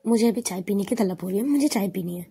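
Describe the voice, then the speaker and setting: A woman's voice: medium pitch, expressive, fast talker, creaky, dark tone, breathy edge, full character voice. A woman doing a teasing carefree young woman. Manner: teasing, easygoing.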